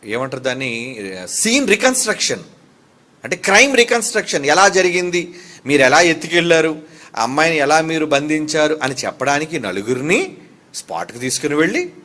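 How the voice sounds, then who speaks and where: A man's voice: on the high side, big pitch swings, fairly quick, pushed and bright. A middle-aged male pastor preaching a fiery sermon, firing rhetorical questions at his congregation.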